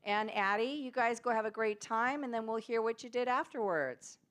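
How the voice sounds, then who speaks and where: A woman's voice: a little high, normal speed, fairly bright tone. A woman hosting a spiritual center service. Her voice is slightly scratchy after an illness, and she is chatty and upbeat. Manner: chatty and upbeat, with small laughs. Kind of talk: leading a church service, welcoming and announcing.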